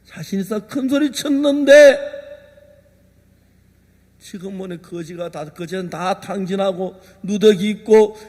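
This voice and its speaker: A male pastor delivers an impassioned sermon, sliding between hushed asides and loud outbursts. His voice sits high for a man. A long reverb trails after every phrase in the large church hall. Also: a little slow, pauses often. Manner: emotional storytelling, swings from hushed to loud.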